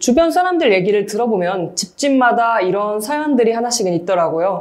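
The background stays quiet. A woman talks at an even, moderate rate. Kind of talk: interview answer. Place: studio.

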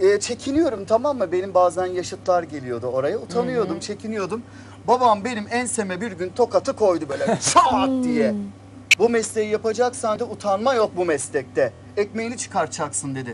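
Moderately paced speech from a man, noticeable background noise present. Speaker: talk show guest. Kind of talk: interview answer, storytelling. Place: studio. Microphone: lapel.

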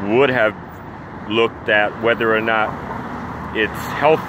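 A man speaks with fairly even intonation. The sound is dry with no echo, but there is noticeable background noise. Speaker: social commentator. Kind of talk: opinion monologue. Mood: critical, earnest. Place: street. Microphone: phone near.

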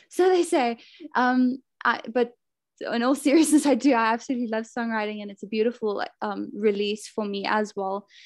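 A South African accent at a moderate pace, with ordinary pitch variation and big swings in loudness, in a dry recording with no echo and a quiet background. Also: woman, fairly high pitch for a woman. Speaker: singer-songwriter and medical student; podcast guest. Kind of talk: casual interview. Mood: warm, amused. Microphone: earbuds.

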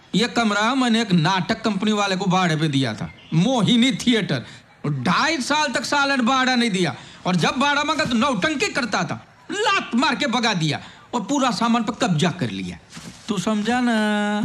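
Lively in intonation, a man talks at a fairly slow pace in a high pitch. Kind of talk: film dialogue, comic acting. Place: home room.

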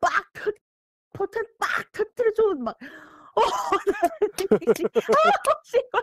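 With a Busan accent, the speaker talks at a very slow pace against a quiet background, the sound dry with no echo. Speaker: longtime friend on the phone. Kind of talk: casual phone call with a friend.

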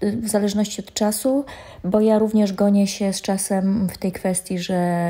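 The speaker is a woman with fairly even intonation. Her background is quiet. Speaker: artist podcaster. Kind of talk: casual podcast monologue. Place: home room.

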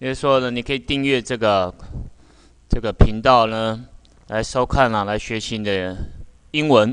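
With a Chinese accent, a man at medium pitch speaks in a fairly even intonation, leaving long, frequent pauses. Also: moderate pace. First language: Mandarin Chinese. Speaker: English teacher at a vocational high school. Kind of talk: morning broadcast English lesson to students. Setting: school PA broadcast.

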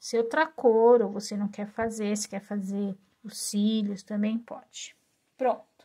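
Somewhat breathy and fairly high in pitch, a woman speaks at a fairly slow pace with fairly even intonation and big swings in loudness over a quiet background. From Brazil. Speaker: primary school art teacher. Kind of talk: craft tutorial for young children. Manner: warm, instructive, addressing children. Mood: gentle, encouraging. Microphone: phone near.

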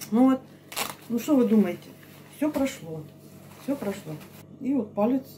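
Over light background noise, a woman with a fairly high pitch speaks at a fairly slow pace, her pitch swinging very widely. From Siberia, Russia. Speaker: customer giving testimonial. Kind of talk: video testimonial. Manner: halting. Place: home room. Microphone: phone near.

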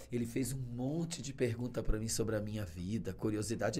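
A man's dark, mellow voice with vocal fry, ordinary pitch variation and a fairly quick pace. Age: 40s. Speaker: podcast guest, preacher. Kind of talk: testimony in podcast interview. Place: studio. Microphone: studio mic.

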